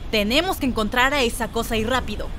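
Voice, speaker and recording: Cocky, high-voiced hedgehog heroine played by a woman. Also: fast, background noise, lightly acted. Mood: determined. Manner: confident, boastful. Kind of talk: Latin American fandub of game cutscenes.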